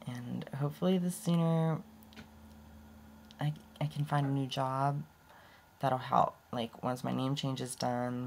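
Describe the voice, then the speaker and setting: Low, gravelly-voiced young woman vlogging. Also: a little mellow, slight background noise. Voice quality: voice often goes hoarse. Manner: rambling and candid, with many restarts and laughs. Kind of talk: casual unedited vlog talk.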